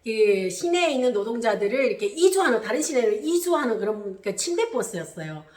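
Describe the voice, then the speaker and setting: High-voiced woman telling a story. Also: brisk, roomy sound. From North Korea. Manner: animated, re-enacts quotes with loud high bursts. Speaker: channel host. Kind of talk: personal storytelling.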